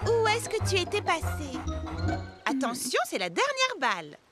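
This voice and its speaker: A woman's voice: extremely high pitch, wildly swooping pitch, moderate pace, heavily acted. A woman voicing an exasperated but affectionate young girl in a dubbed children's cartoon, coaxing and scolding expressively. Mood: friendly. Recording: music behind the voice.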